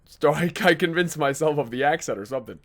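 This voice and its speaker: A man's voice: on the high side, lively intonation, quick pace. A young man from North Dakota with a Midwestern American accent, chatting casually and rambling cheerfully over a voice call while he plays and comments. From North Dakota, USA. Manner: rambling, upbeat, laughs easily. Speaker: gaming video host. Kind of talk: casual gameplay chat and commentary.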